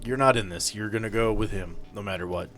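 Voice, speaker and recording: A man's voice: on the low side, fast talker, a bit bright. A man playing a tabletop game, bantering casually and swearing freely. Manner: sweary, joking. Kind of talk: casual banter among players. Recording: faint music behind. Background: faint background music.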